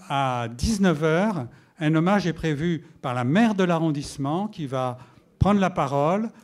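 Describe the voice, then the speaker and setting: A man moderating a public debate, brisk and organized as he hands the floor around and wraps up. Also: a little high. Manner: brisk, organizing, apologetic about time.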